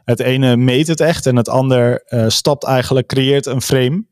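A man talks in a thoughtful, halting way, often pausing on fillers and restarting his sentences. His voice sits in a middle register. The sound is close and dry, with no room around it. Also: mid-range voice, fairly even intonation, dry recording. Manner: hesitant, many fillers and restarts. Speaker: guest discussing a report. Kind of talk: casual conversational discussion.

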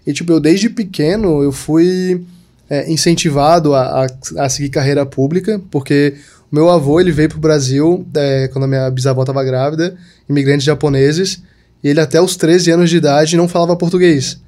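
A man's voice: fairly high pitch, steady tone, normal speed, darkish tone. A young man from southern Brazil chatting casually as a podcast guest, full of fillers like "tipo" and "sabe". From Santa Catarina, Brazil. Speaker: podcast guest, digital marketer. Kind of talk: casual chat.

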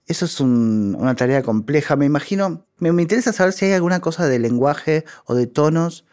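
A man's voice: a little high, expressive, brisk, a little mellow. A man interviewing a guest and asking brief, affirming questions. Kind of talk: casual interview.

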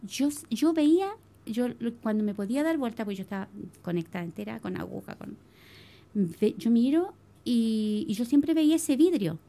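Middle-aged Chilean churchwoman, lively testimony storyteller, fairly high, warm tone. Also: moderate pace, creaky. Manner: animated storytelling, addresses listeners as brothers. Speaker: church member giving testimony. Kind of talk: spoken religious testimony.

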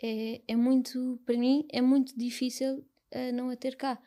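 A young woman with a European Portuguese accent, speaking as an interview guest in a soft, halting, reflective way. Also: sits high, little pitch movement. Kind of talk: personal conversation.

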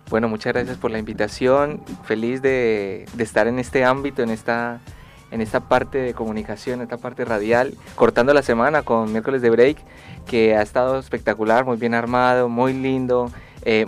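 A young man, a sports journalist, guesting on a radio show and talking with polite, hesitant pauses and restarts. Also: medium pitch, fairly even intonation, soft background music. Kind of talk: radio studio chat.

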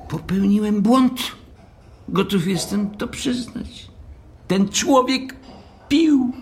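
An actor playing a pedantic, haughty hotel manager who speaks in a formal, fussy, long-winded way in an audio drama. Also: male voice, high voice, expressive, slow, darkish tone, a little hiss or hum, exaggerated voice. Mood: reproachful.

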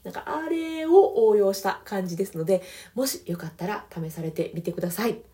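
Kansai lady chatting advice, soft and gentle, mellow voice that swings up and down a lot. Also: medium pitch, sing-song, a little fast. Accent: Kansai Japanese. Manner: gentle, soft-spoken, laughs lightly between points. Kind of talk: casual advice talk.

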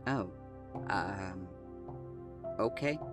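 A woman acting an anxious, caring young driver in a naturalistic audio drama, speaking in a hesitant, gentle, reassuring manner. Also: very deep voice, extremely slow, full character voice. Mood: awkward, sympathetic. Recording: loud music behind the dialogue. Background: music.

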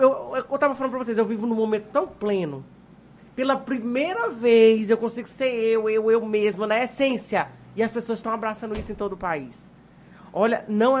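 A woman's voice: medium pitch, slight background noise. An outspoken woman from Piauí in Brazil with a Piauí accent, chatting as a podcast guest and acting out voices in her stories. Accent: Piauí Brazilian Portuguese. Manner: outspoken, expressive, mimics voices when telling stories. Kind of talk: casual podcast chat.

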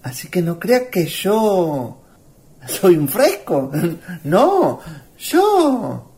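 Woman playing a mellow, earnest Chilean country suitor. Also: on the low side, very animated, very slow, slight background noise, full character voice. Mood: bashful, earnest. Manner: courteous, apologetic, earnest. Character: polite, earnest young country suitor, male. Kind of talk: radio drama acting.

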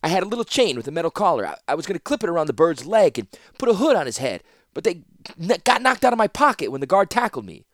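A man's voice: high voice, very animated, dry recording, clean studio sound, voice pushed up. A man voicing a frantic young student. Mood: eager. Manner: shouting, breathless rushing, stammering. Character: impulsive young male student, defiant.

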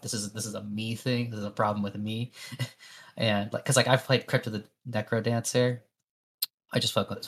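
Low-voiced man in casual podcast chat. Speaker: podcast co-host. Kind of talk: casual chat about game demos.

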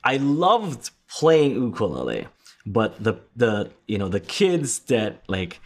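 A man's voice: lowish voice, huge pitch swings, slow pace. A man in his thirties from the Philippines, hosting a casual podcast and telling stories with many fillers and restarts. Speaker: podcast host.

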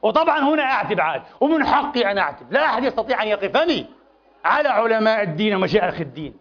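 Impassioned fast-talking preacher man. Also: sits high, sing-song. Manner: impassioned, emphatic, repetitive rhetoric. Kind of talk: Friday sermon. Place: mosque. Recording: dull lo-fi sermon recording.

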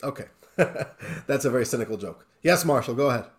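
A man teaching a Torah class, telling a story in a lively, conversational way with emotional emphasis. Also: medium pitch, quick pace.

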